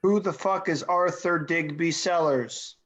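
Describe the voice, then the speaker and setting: A woman's voice: lowish voice, measured pace, muffled recording, lightly acted. A woman playing a laid-back, grumbling male slacker who swears casually in a script table read. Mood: grumpy, baffled. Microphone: video call.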